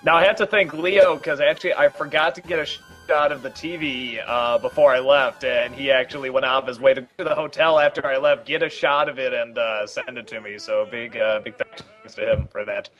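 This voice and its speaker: A man giving a casual film commentary, talking in a rambling, halting way with many restarts. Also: mid-range voice, fairly even intonation, a bit bright, highs cut off, soft background music.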